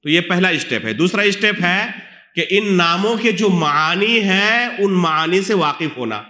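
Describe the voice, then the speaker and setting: A man with an Indian Urdu accent preaches in a mosque with a bright, forceful voice pitched somewhat high. He teaches as he speaks, asking questions and answering them himself. His voice rings through the echoey hall. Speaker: Islamic scholar. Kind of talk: religious lecture.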